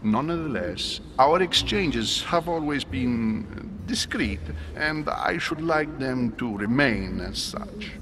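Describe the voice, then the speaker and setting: An actor playing a discreet, paternal Catholic churchman in a video game, speaking in a measured, ceremonious, formal way. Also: medium pitch, animated, background noise. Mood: courteous, guarded. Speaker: actor in a narrative adventure game. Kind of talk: cinematic game dialogue. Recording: game dialogue over background music.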